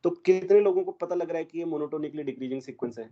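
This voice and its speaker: A man's voice: fairly high pitch, normal speed, slight background noise. Man teaching math in a dull, lo-fi recording. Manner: mixes Hindi with English math terms, quizzes students. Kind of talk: exam problem lecture.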